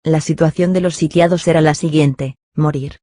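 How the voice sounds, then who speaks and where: Steady male audiobook narrator. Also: a little high, no echo, clean studio sound. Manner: steady, measured storytelling. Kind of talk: scripted literary narration.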